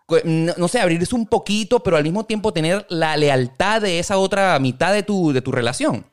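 A man's voice: sits high, normal speed, soft background music. A man hosting a casual podcast chat, curious and asking probing questions. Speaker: host.

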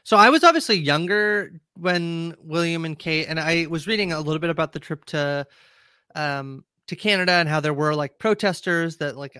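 A man in his thirties with a slightly high, bright, forward voice, recorded close and dry. He co-hosts a casual podcast, relaxed and a little hesitant, often trailing off into "yeah". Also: clear, resonant tone, dry recording. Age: 30s. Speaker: podcast co-host. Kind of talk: casual chat.

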